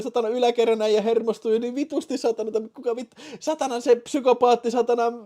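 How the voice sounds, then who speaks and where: A high-pitched man hosting a livestream, swearing constantly and shouting as he calls out names. His voice is strained and giving out from all the yelling. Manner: tired, winding down. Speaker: livestream host. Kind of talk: livestream chat.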